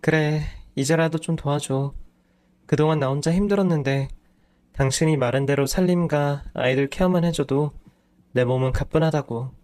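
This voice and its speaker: A man's voice: a little high, moderate pace, lightly acted. A man voicing an exasperated wife who nags her husband sharply, in a storybook reading. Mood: softened. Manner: scolding, sharp-tongued. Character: exasperated nagging wife, woman in her thirties.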